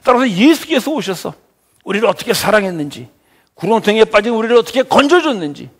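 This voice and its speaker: A man preaching a Sunday sermon as pastor, asking his congregation questions and answering them, dropping to near-whispers and rising to shouts. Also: sits high, very animated, fast, big-room sound. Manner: swings from soft near-whispers to loud shouted exclamations. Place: church sanctuary.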